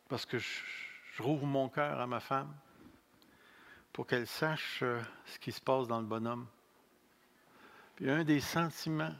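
A man in his sixties with a Québécois accent, preaching a sermon as pastor. He speaks deliberately, repeats key phrases and jokes about himself. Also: medium pitch, gravelly, a bit bright. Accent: Québécois French. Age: 60s. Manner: slow, deliberate preaching with repeated phrases and self-mocking humor.

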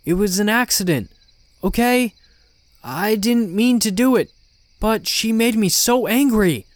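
A guilty, frightened father acted by a male narrator, his voice pushed high and loud. He is agitated, defensive and pleading, as in a dramatic horror audiobook, recorded very dry. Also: a little slow, no room sound. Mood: desperate confession.

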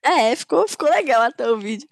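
A woman's voice: on the high side, animated, a little fast, vocal fry, no room sound, clean studio sound. A woman chatting playfully on a casual group voice call. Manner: playful, teasing, sings snippets. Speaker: co-host.

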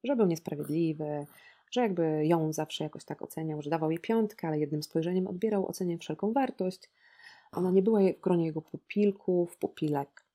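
Woman in her thirties, literature teacher, book podcast, ironic, mellow low voice. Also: brisk. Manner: ironic, reflective, frequent hesitations; asks listeners rhetorical questions.

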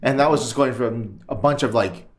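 A man's voice: medium pitch, moderate pace, crowd noise. A young man who is a musician, talking casually in a rambling, laid-back way with frequent restarts. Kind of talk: casual chat.

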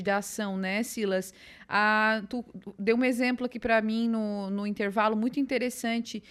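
Woman hosting a podcast, somewhat high voice. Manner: conversational, supportive, sums up the guest's points. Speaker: podcast host. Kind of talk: podcast interview, casual conversation.

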